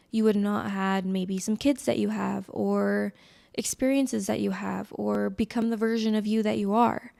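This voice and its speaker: A woman's voice: medium pitch, vocal fry, mellow. An American woman hosting a solo podcast in a casual, chatty way, with a scratchy, slightly congested voice on a close microphone. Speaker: podcast host.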